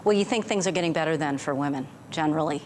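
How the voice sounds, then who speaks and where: A woman's voice: low voice, fast, a little hiss or hum. A woman over fifty interviewing in a conversational, plain-spoken way for a broadcast news programme.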